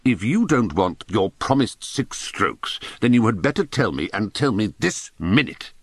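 A man's voice: fairly low pitch, sing-song, unhurried, husky, dry recording, clean studio sound, full character voice. A man voicing an exasperated, sarcastic, pompous old-school schoolmaster with an English accent in an audiobook. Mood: sarcastic menace.

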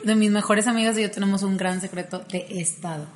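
A young woman from Monterrey with a northern Mexican accent, co-hosting a comedy podcast with playful, deadpan jokes. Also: medium pitch, quick pace, slight background noise. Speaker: podcast co-host. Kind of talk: casual comedic chat.

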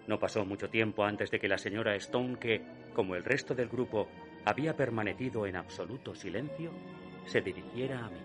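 A man's voice: lowish voice, lightly acted. A man voicing a haunted man in his thirties. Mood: grave. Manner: measured, hushed storytelling that drops to a near whisper at dark moments. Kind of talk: radio drama narration. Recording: narration over music. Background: music.

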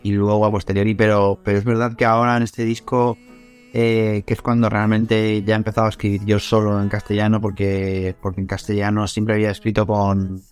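A man's voice: on the low side, flat delivery, brisk, clean tone, faint music behind. A man from Spain, a musician, speaking reflectively in an interview and often repeating words as he searches for them. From Albacete, Spain. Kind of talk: interview answers.

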